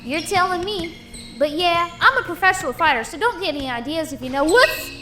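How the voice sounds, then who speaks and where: A woman's voice: extremely high pitch, animated, fairly quick, pushed and bright, soft background music, full character voice. A woman playing a tough but bashful female boxer, a cartoon animal in an audio drama, talking colloquially. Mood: cocky, teasing.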